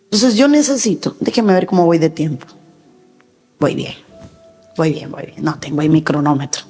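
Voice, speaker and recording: A woman's voice: low-pitched, animated, normal speed, mellow, faint music behind. A woman pastor preaching a sermon with emphatic delivery, now and then acting out the voices she quotes. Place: large church hall. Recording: reverberant hall.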